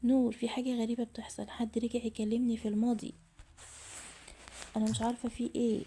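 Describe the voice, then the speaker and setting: A woman voicing Layla, a hushed, frightened young woman. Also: fairly high pitch, little pitch movement, quick pace, slight background noise, lightly acted. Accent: Egyptian Arabic. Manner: breathless and anxious. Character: frightened young woman haunted by her past.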